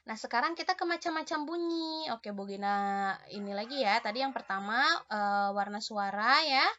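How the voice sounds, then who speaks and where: A woman teaching young children in an online lesson, gentle and encouraging, checking in with them often. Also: fairly high pitch, moderate pace, muffled recording, slight background noise. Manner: gentle, encouraging, addresses pupils warmly with many "ya" and "nah".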